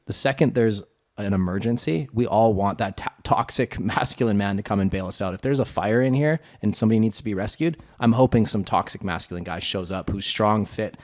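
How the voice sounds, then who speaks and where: A man's voice: lowish voice, a little mellow. A man hosting a podcast interview, curious and teasing as he asks questions. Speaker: podcast host. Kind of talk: casual interview chat.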